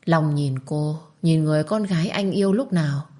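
A woman narrating a dramatic story in a steady, even delivery. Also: low-pitched, normal speed.

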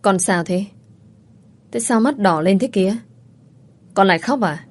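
A woman reading as a gentle, wistful old mother. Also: mid-range voice, expressive, measured pace. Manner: gentle, sighing, teasing.

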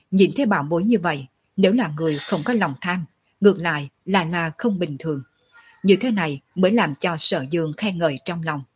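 A woman hosting an audiobook channel, reading a serialized novel aloud with steady narration. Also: fairly low pitch, slightly rough.

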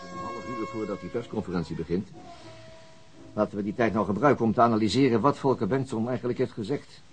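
A man acting a terse, evasive police detective in a radio play, measured and noncommittal. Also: on the low side, music in the background, lightly acted. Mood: analytical. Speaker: actor in a radio drama. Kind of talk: naturalistic radio play dialogue.

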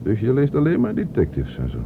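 A man's voice: mid-range voice, huge pitch swings, fast, creaky. An actor playing a talkative middle-aged father in a radio play, insistently questioning and fussing over his son. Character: talkative, probing father eager to know his estranged son. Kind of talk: Dutch radio play acting. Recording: muffled, noisy old radio play recording.

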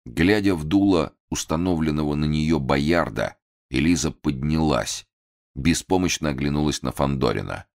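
A man with a very deep voice narrates an audiobook. His reading is measured and expressive, letting the scene build. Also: creaky.

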